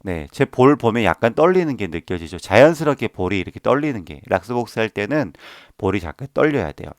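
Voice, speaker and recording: A man's voice: fairly low pitch, big pitch swings, brisk, no room sound. A man teaching a voice lesson, patiently explaining each step and demonstrating the sounds himself. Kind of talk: instructional voice lesson.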